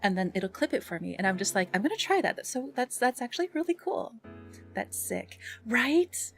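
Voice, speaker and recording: A woman's voice: fairly high pitch, sing-song, normal speed. Chatty woman livestreamer over background music. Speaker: live streamer and ASMR content creator. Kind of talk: casual livestream chat with viewers, greeting them and reading messages.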